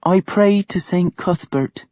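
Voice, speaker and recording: A man voicing a calm, devout young noblewoman who was once a nun. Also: high-pitched, slow pace, no room sound, lo-fi sound, voice pushed up. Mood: calm wistful. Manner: calm and wistful.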